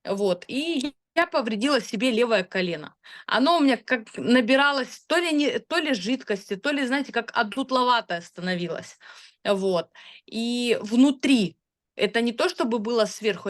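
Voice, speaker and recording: A woman in her thirties talking casually about her own results, chatty and hesitant, with frequent filler sounds. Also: a little high. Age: 30s. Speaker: customer sharing product results. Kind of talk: casual testimonial talk.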